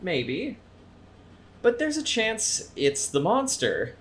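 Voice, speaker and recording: A man's voice: high voice, wildly swooping pitch, slow, slight background noise, full character voice. A man playing a thoughtful monster investigator in an audio drama, explaining things in a tentative way. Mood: tentative, intrigued. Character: Reese, thoughtful, well-informed male monster investigator. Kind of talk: naturalistic audio drama dialogue.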